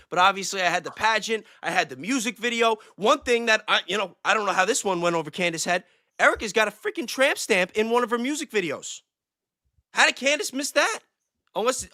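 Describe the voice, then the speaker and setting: High, bright-voiced man, excitable and blunt. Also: no room sound, clean studio sound. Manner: excitable, repetitive, blunt and profane. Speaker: online video creator on a panel. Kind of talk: casual livestream chat.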